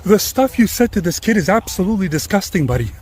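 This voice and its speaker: A young man filming a street confrontation, speaking insistently and repeating his orders to keep the other man calm. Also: sits high, fast. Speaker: streamer confronting a man on camera. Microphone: body camera.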